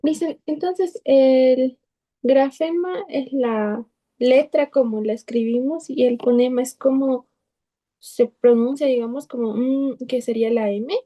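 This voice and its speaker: A woman's voice: high voice, measured pace, mellow. Hesitant woman student asking questions.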